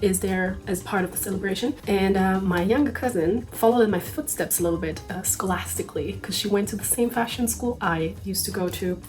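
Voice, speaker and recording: A woman narrates a casual sewing vlog, chatty and quick to make self-deprecating asides. Her voice sounds a little under the weather. Soft music plays faintly underneath. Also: mid-range voice. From Austria. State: slightly sick voice. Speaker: sewing vlogger.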